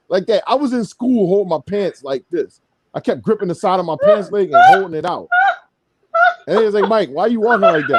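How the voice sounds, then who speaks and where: A man with a somewhat high voice that swings widely up and down as he spins a profane story on a podcast. He laughs often and talks loosely over a video call stream. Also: dry recording. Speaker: podcast host. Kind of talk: casual storytelling chat.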